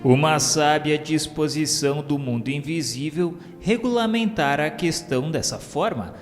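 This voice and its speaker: A man's voice: on the high side, moderate pace. A man with a Brazilian accent reading a literary text as a radio serial narrator, in a solemn, formal, declamatory style. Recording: long reverb, music behind the voice. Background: instrumental music.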